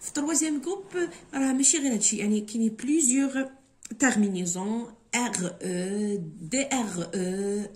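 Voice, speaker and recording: A woman with a Moroccan accent, a teacher reviewing a French exam, reading examples slowly and explaining quickly in between. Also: on the high side, dark tone. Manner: switches between slow dictation-like French and quick Darija explanations.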